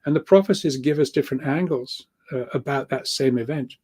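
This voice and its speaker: A man with a soft-edged, mellow voice at a middling pitch talks informally, like a guest speaker explaining his research. He rambles and halts, doubling back on words as he works through each idea. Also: breathy edge. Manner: halting, repeats words, rambling, chuckles often. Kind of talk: informal spoken explanation of spiritual ideas.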